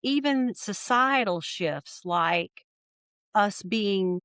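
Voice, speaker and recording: A middle-aged woman answering interview questions in a thoughtful, warm way, often checking in with "right?". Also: mid-range voice, animated, drawn-out words, clean tone, dry recording, studio quality. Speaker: podcast guest.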